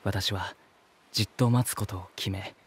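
A man's voice: lowish voice, fairly even intonation, normal speed, husky. An actor playing an earnest, polite man who narrates his journey reflectively in an audio drama. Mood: reflective narration.

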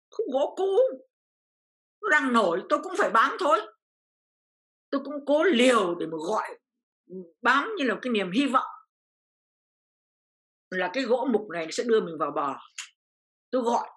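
A woman's voice: fairly high pitch, fairly bright tone. An older woman from Vietnam, an interview guest, telling a personal story with feeling and repeating phrases as her voice rises.

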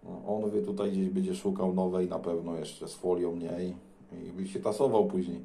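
A Polish man with a dark, relaxed voice makes casual radio small talk. He is recorded indoors in a roomy, echoing space with faint noise. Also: low voice, normal speed, vocal fry. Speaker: CB radio operator. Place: indoors beside a radio transceiver. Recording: echoey room, faint noise.

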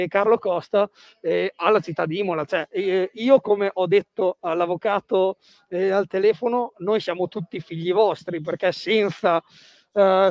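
A man hosting a live radio interview, haltingly and with repeated words, in a dull, muffled recording. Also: high voice, darkish tone, dry recording. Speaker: radio host. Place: indoors in a pub. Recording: dry, dull muffled sound.

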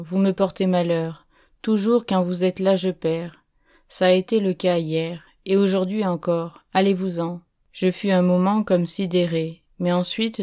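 A woman reading a literary audiobook in a steady, measured first-person narration. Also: fairly low pitch.

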